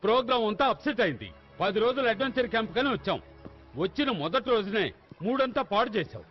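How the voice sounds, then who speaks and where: An actor dubbing a brisk male adventure-camp leader who gives orders impatiently. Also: high voice, animated. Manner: commanding, impatient. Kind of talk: Telugu film dub. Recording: dull film dub with music.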